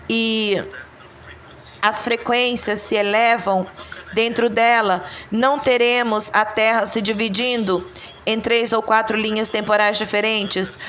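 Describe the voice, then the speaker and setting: A woman reading a dubbed interview voice-over in an even, measured way with slow pauses. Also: fairly high pitch, slight background noise. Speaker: voice-over translator.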